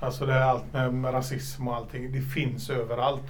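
Monotone, flat delivery from a man at medium pitch, at a moderate pace, with audible room echo. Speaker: police officer. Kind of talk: interview.

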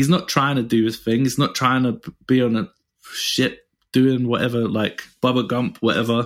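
On a very clean recording with a silent background, a man talks at a moderate pace and medium pitch with fairly even intonation. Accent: English. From England. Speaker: guitarist. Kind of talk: casual chat.

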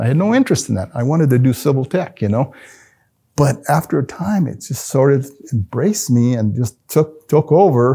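A man's fairly high, somewhat breathy voice with a dark, mellow tone and lively intonation, on a very clean recording against a silent background. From Albuquerque, New Mexico. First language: Spanish. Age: 70s. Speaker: business founder and CEO. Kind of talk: interview.

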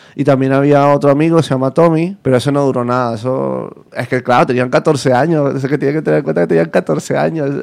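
A man with a Venezuelan accent speaks very fast with hardly any pauses, keeping a medium pitch and ordinary pitch variation. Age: 30s. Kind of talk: casual chat. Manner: halting.

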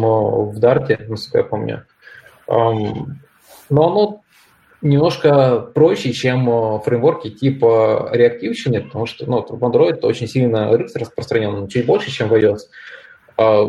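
A man with an ordinary speaking voice talks at medium pitch with ordinary pitch variation and a fairly slow pace. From Russia, Omsk. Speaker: Android team lead and podcast host. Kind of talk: casual chat.

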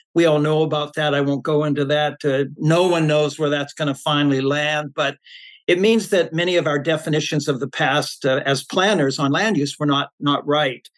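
A man at a fairly high pitch and moderate pace, in a normal speaking voice, with fairly even intonation and very even loudness, over a quiet background. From Vancouver, Canada. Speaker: urban planner. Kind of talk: interview.

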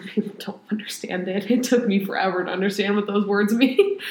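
A woman rushes along at a very fast pace with noticeable background noise behind her. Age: 20s. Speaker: podcast co-host, young mother. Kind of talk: casual chat.

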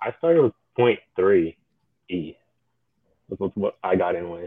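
Speaking with a Spanish accent, a man uses a fairly low pitch and ordinary pitch variation. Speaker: NFT artist. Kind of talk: casual group chat.

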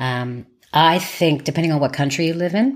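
The voice moves at a fairly quick pace with fairly even intonation. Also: woman. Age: 50s. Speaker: host's mother. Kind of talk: casual chat. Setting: indoor recording at a rented apartment.

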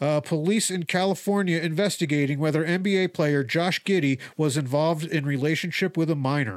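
An unremarkable speaking voice from a man, fairly high-pitched with ordinary pitch variation and very even loudness, at a moderate pace with hardly any pauses, on a very clean recording with a silent background. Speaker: comedian podcast co-host. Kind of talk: news joke reading.

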